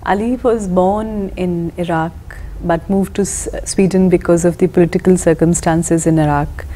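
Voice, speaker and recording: A young woman interviewing an artist, giving measured introductions and brief prompts, recorded on a lapel mic in a television studio. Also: lowish voice, fairly even intonation, mellow, a little hiss or hum, rough recording.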